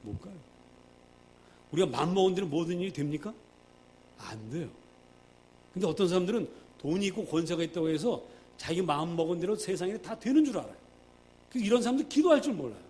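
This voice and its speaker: Male pastor, sermon, fairly high voice, emphatic, loud-to-hushed swings, faint background hum. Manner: acts out quoted prayers.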